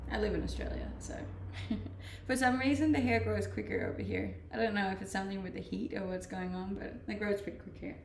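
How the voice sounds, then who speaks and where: Speaking fairly quickly and with animation, a Danish woman in her twenties loosely chats with live stream viewers while reading their comments, often breaking into laughter. Her medium-pitched, darkish voice has a gravelly fry. She sits back from the mic in a roomy, echoey space over a faint hiss.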